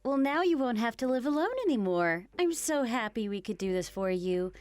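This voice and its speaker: A woman's voice: a little high, expressive, normal speed, a little mellow, no room sound, clean studio sound, natural voice. Woman voicing a pleading young wife. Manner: earnest, pleading. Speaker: daughter-in-law. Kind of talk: animated story voice acting.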